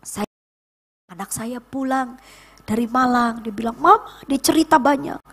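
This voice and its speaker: A woman in her forties with an East Javanese accent, a pastor preaching a sermon with personal testimony and animated storytelling that acts out quoted voices. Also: fairly high pitch, unhurried, husky. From East Java, Indonesia.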